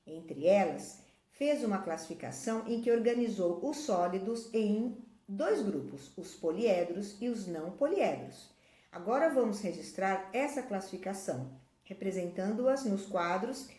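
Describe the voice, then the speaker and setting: A woman teaches children in a patient, explanatory way, often pointing things out. Her voice is mellow and soft-edged. The sound is roomy and echoey. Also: mid-range voice. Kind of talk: classroom video lesson. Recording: echoey room.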